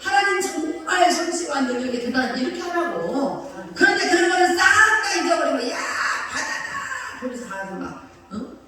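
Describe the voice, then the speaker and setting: A woman pastor preaching a sermon in an animated, colloquial way, acting out quotes. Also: sits high, brisk, a crowd in the background. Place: church sanctuary. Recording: echoey church hall, distant mic.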